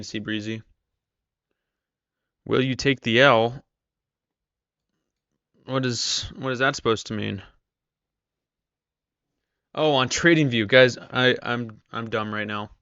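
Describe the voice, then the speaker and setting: A man's voice: medium pitch, steady tone, takes it slowly, long pauses, a bit bright, clean tone, no echo, dull audio. A man hosting a casual live stream, chatting with viewers while losing his voice. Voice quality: strained, tired voice. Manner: chatty, reads viewer comments aloud. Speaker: live-stream trader host.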